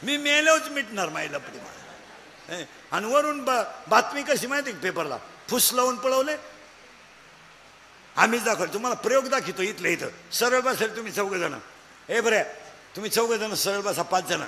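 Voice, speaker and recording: High bright preacher, echoing hall. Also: male voice, expressive, normal speed. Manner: scolding, bantering with the crowd, shouting and singing at peaks. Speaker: kirtan preacher. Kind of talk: comic devotional kirtan sermon. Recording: echoey hall with faint background noise.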